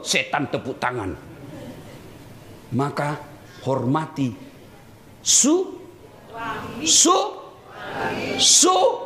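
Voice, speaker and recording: A man preaching a humorous sermon to a live audience, teasing and addressing listeners directly. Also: high-pitched. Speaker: Islamic preacher. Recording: echoey hall with crowd noise.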